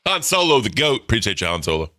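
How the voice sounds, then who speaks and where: A deep-voiced man in his thirties hosting a livestream, talking casually in a blunt, profane, rambling way. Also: big pitch swings, fast, sharp tone. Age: 30s. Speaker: livestream host. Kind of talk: casual chat.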